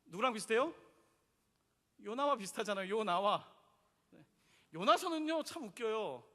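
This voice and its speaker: A man's voice: sits high, animated, normal speed, pushed and bright. A man preaching a sermon as pastor, telling the story vividly and leading the congregation in reading. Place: church sanctuary. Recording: long reverb in a church hall.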